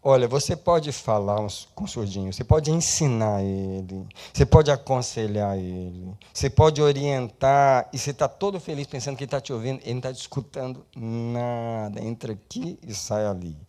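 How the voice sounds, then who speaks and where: A male pastor preaching an animated sermon, swinging between loud and soft and slipping English words into his speech. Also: mid-range voice, normal speed, few pauses.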